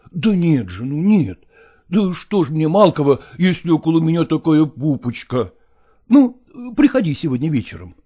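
A nervous, evasive male actor in an audiobook, sighing and hedging as he tries to slip away, read by a man. His voice sits low and mellow, rising and falling expressively. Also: big pitch swings, moderate pace, husky.

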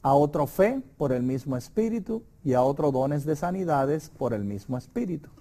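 A man's voice: a little high, expressive, moderate pace, dark tone. A middle-aged Puerto Rican man with a Puerto Rican Spanish accent, leading a conversational Bible study lesson in an emphatic, preacherly way. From Puerto Rico.

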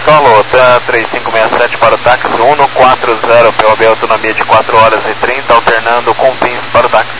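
A man's voice: medium pitch, level tone, fairly quick, hardly any pauses. Crackly radio readback from a male pilot. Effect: crackly aviation radio. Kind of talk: clipped procedural readbacks. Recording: noisy crackly radio transmission.

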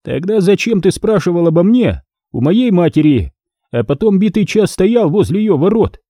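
A man's voice: high voice, very animated, moderate pace, warm tone, no room sound, clean studio sound, voice pushed up. A man voicing a sneering, menacing crime boss who taunts his captive. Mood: suspicious. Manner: taunting, barked threats and sly mockery.

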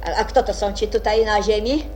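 A woman's voice: mid-range voice, fairly quick, a little mellow, faint music behind, close to an everyday voice. An actress playing an imperious, short-tempered storybook queen in a radio play, with a commanding, abrupt manner. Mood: haughty.

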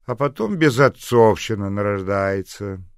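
A man's voice: fairly low pitch, expressive, measured pace, smooth, dry recording, clean studio sound, voice pushed up. A man voicing a nosy, spiteful old woman neighbor who sneers and scolds. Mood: grumbling.

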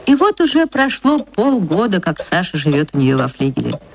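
Expressive woman narrating a radio play. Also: lowish voice, creaky, background noise. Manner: measured, expressive storytelling.

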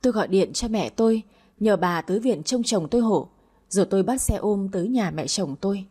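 Woman storyteller, first-person narration, warm husky voice, fairly high. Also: expressive, brisk. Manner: emotional, dramatic narration.

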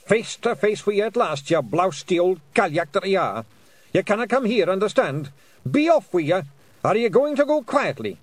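Brawling wee pixie chief, Scottish, loud and defiant, pitched high. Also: male voice, sing-song, normal speed, no room sound. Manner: shouty, defiant, blustering. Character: tiny blue fairy clan chief, brash and combative.

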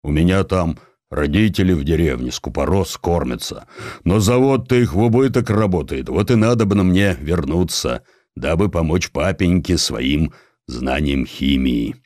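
A man's voice: sits low, expressive, moderate pace, darkish tone, no echo, clean studio sound. A man voicing a bold, good-natured young son in an audiobook, plain-spoken and matter-of-fact. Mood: earnest. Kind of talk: acted dialogue within audiobook narration.

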